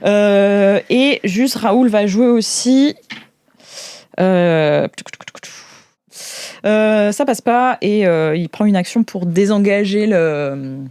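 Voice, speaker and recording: A woman game master with a mid-pitched voice narrates a tabletop role-play session. She speaks casually and hesitantly, slipping in playful verbal sound effects as she announces turns and rolls. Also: very slow, darkish tone, smooth, no room sound.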